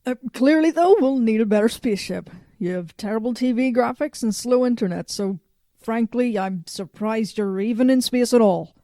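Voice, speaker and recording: A self-assured female robot from the future played by a woman speaks in a mellow, relaxed voice. She is blunt and faintly condescending, matter-of-fact in audio drama dialogue, recorded dry and close. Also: fairly high pitch, normal speed, dry recording, lightly acted.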